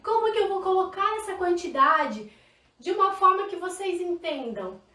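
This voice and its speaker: Uma mulher com sotaque brasileiro, dando uma aula online ao vivo de língua de sinais, animada e demonstrativa, falando direto com os espectadores. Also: female voice, extremely high pitch, normal speed, echoey room, distant mic. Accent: Brazilian Portuguese. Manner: lively, demonstrative, talks to viewers directly. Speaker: sign language teacher. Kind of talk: live online lesson. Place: indoor room, live stream.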